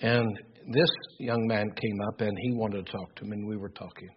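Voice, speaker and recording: An older man preaching a sermon with a loud voice, earnest and emphatic, often repeating words as he builds his points. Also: fairly low pitch, steady tone, moderate pace, a little hiss or hum. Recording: dull lo-fi recording.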